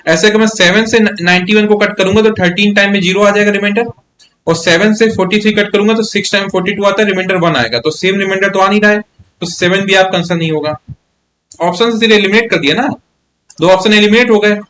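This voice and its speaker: A man with a high-sitting, a bit bright voice and fairly even intonation teaches a live online maths class, talking fast. He's chatty and coaxing, often checking whether students follow by asking "yes or no?". There's a little hiss or hum.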